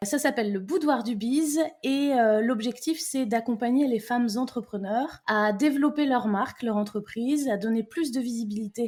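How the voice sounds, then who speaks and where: A woman's normal speaking voice, fairly high in pitch, with ordinary pitch variation, a moderate pace, and a very clean recording over a silent background. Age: 30s. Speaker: podcast host, business coach. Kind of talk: casual interview chat.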